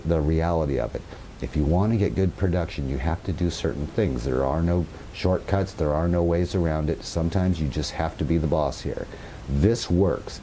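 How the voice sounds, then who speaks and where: A man's voice: low voice, warm tone, a little hiss or hum. A middle-aged man, sick with a fever and stumbling over his words, gives a blunt, folksy gardening tutorial on a home patio, speaking straight to his viewers. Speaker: gardening channel host. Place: home patio garden among potted plants.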